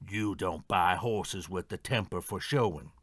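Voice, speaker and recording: Man playing a stubborn, low-voiced horse trainer. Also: measured pace, a bit bright, slightly rough, no room sound, exaggerated voice. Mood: indignant, protective. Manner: defensive, addresses superiors respectfully. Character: stubborn, defensive male horse trainer, deferential but defiant. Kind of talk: audio theatre murder mystery acting.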